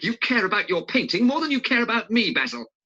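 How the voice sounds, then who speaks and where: A vain, anguished young man, put on by a male audiobook reader. The voice rides well above the reader's own, straining and pleading with wide swings in pitch. The recording sounds dull and lo-fi. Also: animated, normal speed, pushed and bright, husky, full character voice. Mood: resentful. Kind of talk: audiobook character reading.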